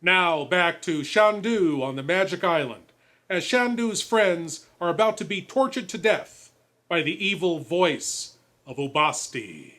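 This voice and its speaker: A man's voice: high voice, expressive, measured pace. A man doing dramatic scripted announcing to introduce a serial. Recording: very noisy track with clicks.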